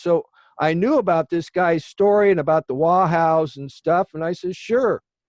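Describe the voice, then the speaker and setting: High-pitched male speech at a moderate pace with ordinary pitch variation, a dry, close sound with no echo and a quiet background. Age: 70s. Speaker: book publisher and editor. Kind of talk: interview. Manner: halting, many repetitions and fillers.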